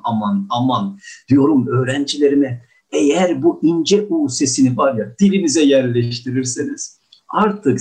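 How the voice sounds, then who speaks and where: A man's voice: medium pitch, a little mellow. An older man giving a diction lesson in a courtly manner, often saying "efendim" and acting out example words in exaggerated tones. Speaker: diction teacher. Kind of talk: lecture on pronunciation.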